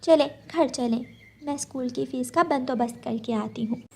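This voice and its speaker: A woman's voice: high-pitched, normal speed, gravelly, warm tone. A woman voicing a kind, caring mother bird in a cartoon story. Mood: tender.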